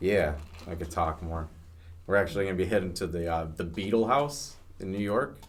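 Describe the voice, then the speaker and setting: A man speaks with a very deep, low pitch and ordinary pitch variation. Long, frequent pauses break up his speech, and room echo is audible. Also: fairly quick pace. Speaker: metal band member. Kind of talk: casual chat. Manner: halting.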